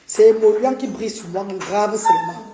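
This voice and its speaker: A woman's voice: medium pitch, normal speed, echoey room, very noisy. A woman, an autism advocate talking on a live stream, effusively greeting viewers and pleading for shares.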